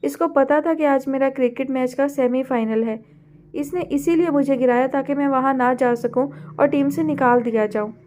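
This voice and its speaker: A woman's voice: high voice, moderate pace, a little mellow, a little hiss or hum, natural voice. A woman voicing a boastful, touchy teenage boy in a storybook reading, complaining and challenging. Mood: indignant.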